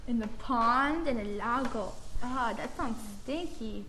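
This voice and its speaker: Brief: woman from Colombia, Spanish first language, relaxed bilingual chat, slightly high voice. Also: a little slow, a little hiss or hum, rough recording. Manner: switches between Spanish and English, repeats words for emphasis. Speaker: co-host of a family chat. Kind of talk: casual chat.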